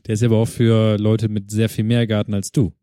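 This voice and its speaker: A man co-hosting a casual podcast, teasing his partner with quick interjections. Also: on the low side, flat delivery, warm tone, clean tone, no room sound, clean studio sound. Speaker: podcast co-host. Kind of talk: casual chat.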